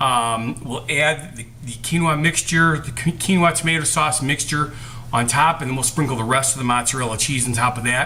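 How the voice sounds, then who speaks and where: Over noticeable background noise, a man talks at a moderate pace in a medium pitch with ordinary pitch variation. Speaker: cooking show host and costume entertainer. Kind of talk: cooking tutorial. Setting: home kitchen. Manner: casual, with filler words. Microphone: recorded with cheap action camera.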